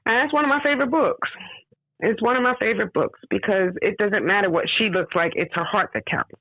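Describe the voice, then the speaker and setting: A woman author with a hoarse voice, talking casually in an interview and getting animated when she stresses a point. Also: no room sound. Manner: animated, rising pitch when emphatic. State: hoarse from screaming. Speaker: author guest. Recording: tinny phone line.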